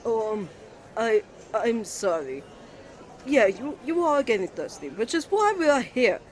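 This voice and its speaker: Man acting an earnest, high-voiced, flustered young twin. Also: very animated, unhurried, full character voice. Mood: flustered, defensive. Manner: nervous, stammering, earnest. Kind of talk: ASMR romantic roleplay acting.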